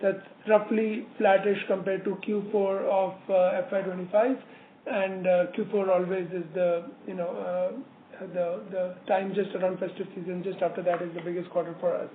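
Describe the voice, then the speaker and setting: Exec guy doing an earnings call, pretty monotone, lots of ums, echoey phone line. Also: high-pitched. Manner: halting, hesitant delivery with frequent filler words. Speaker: company executive presenting quarterly results. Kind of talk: business presentation on an earnings call. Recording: narrowband phone line, roomy echo, slight noise.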